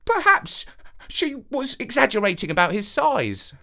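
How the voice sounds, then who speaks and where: A woman's voice: a little high, wildly swooping pitch, unhurried, vocal fry, a bit bright, pitched above the performer's own voice, heavily acted. A woman voicing an eager, plucky little male dog in a children's story, polite and encouraging.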